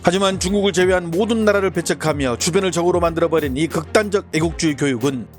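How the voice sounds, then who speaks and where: A man's voice: fairly high pitch, soft background music. A man narrating as a channel host in a formal, scripted news-commentary style. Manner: brisk, formal delivery.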